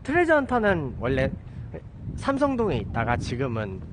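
A man's voice: medium pitch, huge pitch swings, moderate pace, background noise. A man in his thirties chatting casually to a phone held at arm's length as he walks outdoors on a residential street, rambling with self-mocking asides. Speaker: live streamer. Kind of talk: casual walking livestream chat. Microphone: handheld phone at arm's length.

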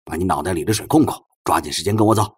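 A man voicing a gruff, impatient, foul-mouthed squad leader in an audiobook. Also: low-pitched, rapid-fire. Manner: brusque, impatient.

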